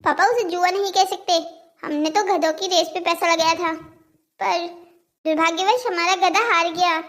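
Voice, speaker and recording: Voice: very high-pitched, moderate pace, fairly bright tone. A performer voicing a cheeky, childish boy who pleads and argues brazenly in a cartoon moral story. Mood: earnest excuses. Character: cheeky, childish cartoon boys making earnest excuses.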